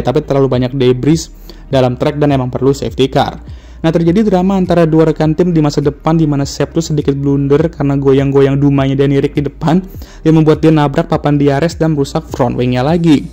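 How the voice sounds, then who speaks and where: Chatty slangy man over soft music. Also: mid-range voice. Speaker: motorsport YouTuber. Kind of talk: casual race recap narration. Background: faint background music.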